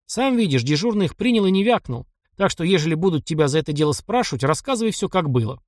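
A man reading the lines of a cocky, sharp-tongued young male taiga hunter in an audiobook. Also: on the high side, big pitch swings, fast talker, no echo, clean studio sound, voice pushed up. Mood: instructive. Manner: cocky, sarcastic retorts.

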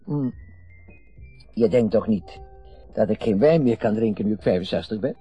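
An actor in his sixties playing a garrulous, meddling, wistful retired father in a radio play, rambling and halting, with sudden emphasis. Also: fairly low pitch, expressive, mellow, husky, highs cut off, soft background music. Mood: jovial, defiant. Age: 60s. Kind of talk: naturalistic radio drama acting.

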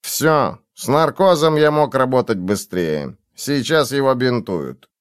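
A man's voice: mid-range voice, animated, unhurried, smooth, dry recording, studio quality, lightly acted. A male reader voicing a cool, dispassionate, smug surgeon in an audiobook.

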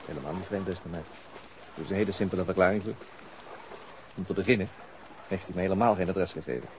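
Wry low-voiced male police detective. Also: fast. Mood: sardonic musing. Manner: dry, sardonic, hesitant when talking. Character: wry, self-mocking male police detective, awkward with women. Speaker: actor in a radio crime drama. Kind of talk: radio drama dialogue and ironic inner monologue. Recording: noisy radio play with background ambience.

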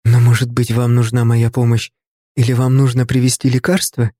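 A man reading an eager young woman student, mellow. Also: medium pitch, monotone, normal speed, dry recording, studio quality, natural voice. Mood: concerned. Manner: anxious, offering help.

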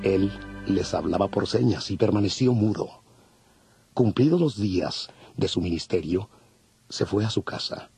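A man narrating scripture from a script in measured storytelling. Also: deep voice, lively intonation, vocal fry, darkish tone, breathy edge, no room sound. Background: faint music.

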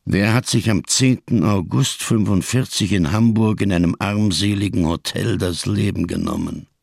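An actor playing a scarred, tattered Jewish giant, a world-weary survivor who speaks solemnly and with bitter irony in a German radio crime drama. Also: male voice, fairly low pitch, moderate pace, vocal fry, darkish tone, dry recording, clean studio sound. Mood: grim, ironic. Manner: solemn, declamatory, bitterly ironic speech.

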